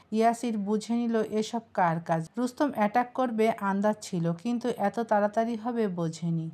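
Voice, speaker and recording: Solo woman storyteller, mid pitch, reads romance narration and all the dialogue herself. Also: dark tone. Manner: reads all the characters in one voice, dialogue kept close to her narration.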